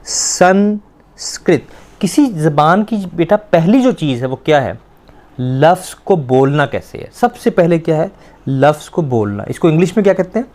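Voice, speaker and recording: A man teaching a language lesson, explaining step by step, repeating words slowly and quizzing a student. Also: a little high, very animated, a little mellow.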